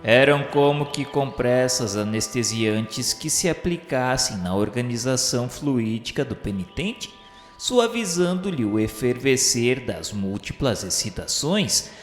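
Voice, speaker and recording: A man with a Brazilian accent gives a solemn, formal, scripted literary narration in the style of a radio novela. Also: mid-range voice. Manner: solemn, formal, measured delivery. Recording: echoey hall-like reverb, music behind. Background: music.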